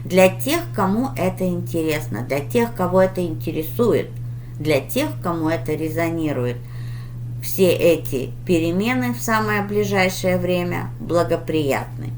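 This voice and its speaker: A woman reading tarot for her viewers in a deliberate, instructive manner, with pauses and emphatic advice. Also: on the low side, darkish tone, slight background noise. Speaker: tarot reader hosting her channel.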